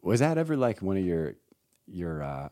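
A man around forty hosting a casual podcast chat, laid-back and quick to laugh. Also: deep voice, sing-song, mellow, dry recording, studio quality. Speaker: podcast host.

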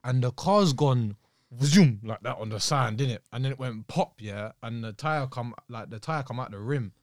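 A man's voice: mid-range voice, expressive, normal speed, no echo, studio quality. A young man with a London accent and roadman slang, telling anecdotes in a casual chat.

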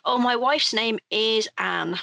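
A woman playing a tabletop role-playing game, chatting briskly about her character and speaking as him. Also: a little high, vocal fry, pushed and bright, no room sound, low-quality recording. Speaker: player.

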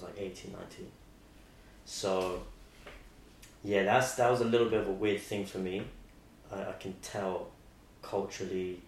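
A man, hosting a podcast in casual, rambling chat with many restarts. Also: low voice. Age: 20s. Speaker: podcast host. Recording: roomy sound with faint noise.

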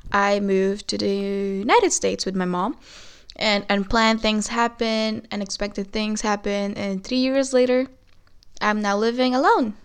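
Chatty young Filipino woman, smooth voice. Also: mid-range voice, steady tone, unhurried. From Philippines. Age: young adult. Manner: chatty, switches between Tagalog and English. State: a little nervous. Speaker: podcast host. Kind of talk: casual solo podcast chat. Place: bedroom. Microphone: phone recorder.

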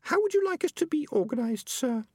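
A man voicing an earnest, organised young female rat in a storybook, with a small, thin falsetto and careful, polite manner. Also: sing-song, a little fast, darkish tone, dry recording, studio quality. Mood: polite, firm.

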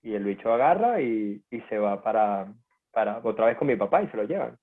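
A man's voice: lowish voice, sing-song, brisk. Slangy Venezuelan man, phone-like sound. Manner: slangy, informal. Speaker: guest. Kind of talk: casual storytelling.

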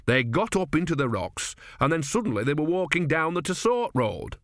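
A man's voice: a little high, sing-song, moderate pace, a bit bright, dry recording, studio quality, pitched above the performer's own voice. A man doing a nervous, deferential servant. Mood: worried. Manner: deferential, keeps saying sir.

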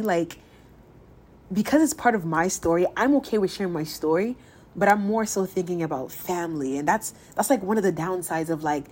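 A woman in her twenties, originally from Ghana, hosts her own podcast and talks about her life in a relaxed, personal way. Her voice sits a little low. She tells stories with energy and raises her pitch when she quotes other people. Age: 20s. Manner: animated storytelling, laughs often, voices others' lines in higher pitch. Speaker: podcast host. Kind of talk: casual personal monologue.

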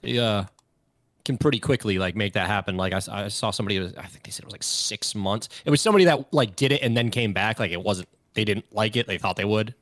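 A man's voice: on the low side, fast, a bit bright, dry recording. Casual swearing young man, dry mic. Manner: rambling, swears often, many fillers. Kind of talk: casual chat.

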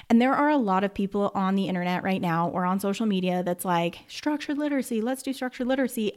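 A woman's voice: mid-range voice, a little mellow. A woman who teaches first grade, talking casually and emphatically in a podcast monologue, with lots of "like". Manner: emphatic and chatty, says "like" often.

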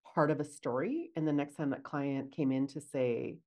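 Low-voiced chatty woman. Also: fairly even intonation, normal speed, a little mellow. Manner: chatty, acts out client dialogue. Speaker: podcast co-host, esthetician. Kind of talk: casual podcast chat.

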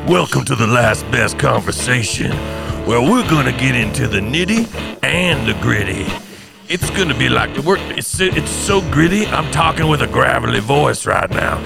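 Gritty tough-guy show announcer, heavy gravel and fry, overblown menace, guitar music bed. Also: medium pitch. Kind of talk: parody show intro. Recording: clear guitar music under voice.

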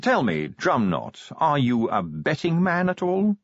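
Man playing a slow, calculating ruler. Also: a little high, wildly swooping pitch, dry recording, dull audio, pitched above the performer's own voice, full character voice. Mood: measured, probing. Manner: slow, deliberate, dry. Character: cool, measured, calculating male ruler.

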